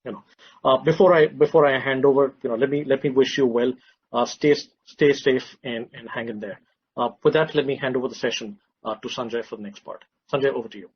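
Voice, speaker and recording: A businessman with an Indian accent presents on a conference call in a husky voice. He restates his points for emphasis. The audio is dull and a little muffled. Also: mid-range voice, fairly even intonation, brisk. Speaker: retail executive. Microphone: conference call line.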